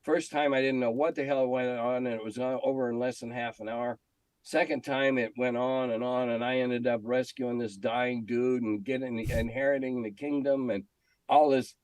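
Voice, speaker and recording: A man's voice: mid-range voice, fairly even intonation, darkish tone, no echo, low-quality recording. Older American man reminiscing, dry close sound. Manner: halting, candid storyteller with frequent throat-clearing and coughs. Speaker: interview guest, game industry veteran. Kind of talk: casual reminiscing conversation.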